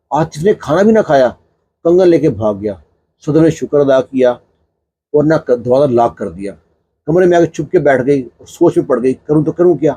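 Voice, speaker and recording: A man's voice: a little high, dark tone, breathy edge, dry recording. A man narrating a family tale in a casual, conversational way, full of little fillers. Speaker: storyteller. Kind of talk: casual spoken storytelling.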